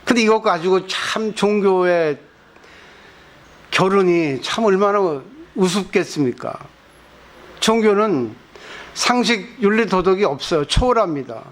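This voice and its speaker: A Buddhist monk giving a sermon at a weekend temple service, teaching conversationally and often putting rhetorical questions to the listeners. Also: male voice, high-pitched.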